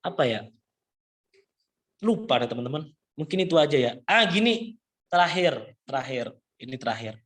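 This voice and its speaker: A man's voice: fairly high pitch, sing-song, moderate pace, pauses often, fairly bright tone. A man teaching Arabic in an online class, talking casually to his students and repeating phrases often. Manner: casual, repetitive, addresses students as antum. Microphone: video call.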